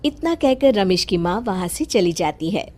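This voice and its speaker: A woman's voice: medium pitch, animated, moderate pace, mellow. A woman narrating a cartoon moral story in a lilting storytelling manner.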